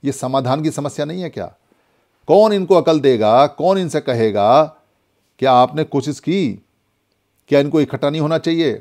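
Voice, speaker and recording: A man's voice: a little high, normal speed, darkish tone. A man from India giving a spoken Buddhist lesson, preaching with many repeated rhetorical questions. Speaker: Buddhist teacher.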